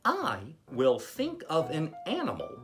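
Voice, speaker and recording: A man's voice: on the high side, wildly swooping pitch, takes it slowly, a bit bright, soft background music, heavily acted. A man voicing a friendly, hesitant puppet host with an encouraging gee-whiz manner in a comedy show. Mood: cheerful encouragement.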